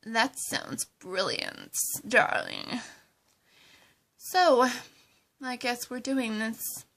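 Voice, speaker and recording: A haughty villainess plots in a slow, drawling voice that sits a little high, as a woman acts her out. She talks down to her partner and slips into threatening whispers. It is a homemade fan roleplay. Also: expressive, fairly bright tone, full character voice. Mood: condescending. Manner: slow, condescending, drops into menacing whispers, calls everyone darling. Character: scheming female supervillain, imperious and threatening.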